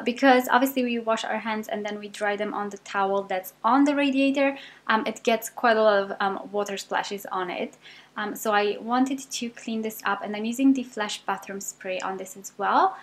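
Chatty young British woman, fairly high voice. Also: normal speed. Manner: chatty, upbeat, many ums. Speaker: cleaning vlogger. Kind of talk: casual voice-over narration.

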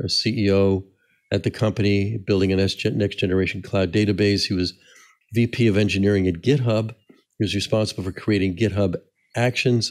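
Older man host, halting lowish voice. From New Jersey. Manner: halting, repeats words, reads ad copy. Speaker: podcast host. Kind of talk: conversational podcast interview. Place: home office. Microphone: studio mic on arm, earbuds.

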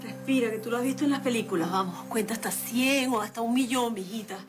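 A woman's voice: fairly high pitch, fast talker, music in the background, natural voice. An actress playing a flustered, stressed woman with a Venezuelan accent in a TV comedy-drama. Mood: self-soothing. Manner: flustered and exclamatory, talks herself calm. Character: frazzled woman on New Year's Eve.

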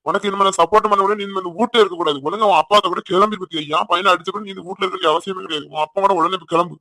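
A man's voice: high-pitched, fairly even intonation, racing, bright, forceful tone. A man voicing a hot-tempered older village father in a cartoon, angry and threatening in a Tirunelveli Tamil accent. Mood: furious.

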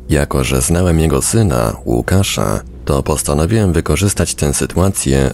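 A man's voice: a bass voice, gravelly, a little mellow. A man reading a book aloud as scripted narration. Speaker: audiobook reader on a radio podcast.

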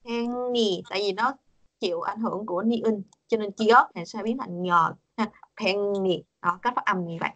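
A woman's voice: medium pitch, normal speed, fairly bright tone. A woman teaching a Korean pronunciation lesson over a video call, patient and coaxing, repeating words for her students.

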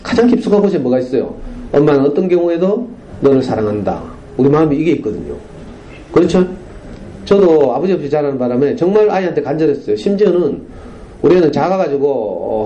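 경상도 억양의 중년 남성이 학교 강당에서 학부모들에게 청중에게 질문을 던지며 생생하게 이야기를 풀어내는 강연을 합니다. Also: male voice, a little high, fast, highs cut off, a little hiss or hum. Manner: animated storytelling, rhetorical questions to the audience. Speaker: parenting lecturer. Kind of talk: lively lecture to parents. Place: school lecture hall.

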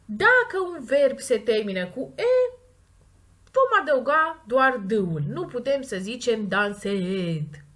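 A woman's voice: a little high, sing-song, a bit bright. Romanian woman explaining English grammar. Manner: slow, stressed model words between quick explanations. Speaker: language teacher. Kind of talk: explaining grammar in a recorded lesson.

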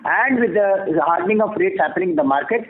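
A man with an Indian accent, a bank executive giving measured, formal, explanatory answers on an earnings call. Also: sits high, expressive. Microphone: phone conference call. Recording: tinny phone line with clear noise.

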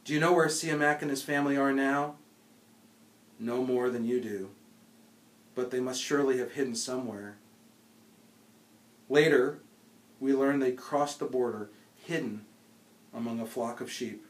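A man's voice: medium pitch, fairly even intonation, unhurried, long pauses. An American man in his forties, a professor, reading a book aloud. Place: small indoor office with bookshelves. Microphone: camera a few feet away. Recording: roomy office sound from camera mic.

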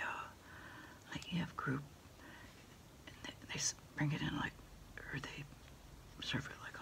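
A middle-aged American woman whispering softly and haltingly in a quiet ASMR roleplay, politely taking orders as if on the phone. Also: low voice. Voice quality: breathy whisper with fry. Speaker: ASMR performer playing a takeout order taker. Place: small dim indoor desk space.

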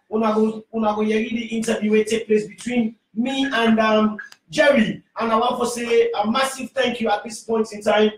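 A man's voice: high-pitched, slight background noise. A man with a Sierra Leonean Creole accent hosting a live radio talk show, mixing English with Creole. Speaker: radio host. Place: small radio studio. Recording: roomy, distant microphone.

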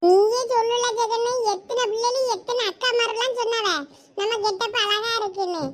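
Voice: very high-pitched, fairly even intonation, normal speed. A performer playing a boastful young village man with a Thoothukudi accent who brags about his look in a comedy sketch. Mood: boastful, defensive. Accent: Thoothukudi Tamil. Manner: boastful, defensive bragging.

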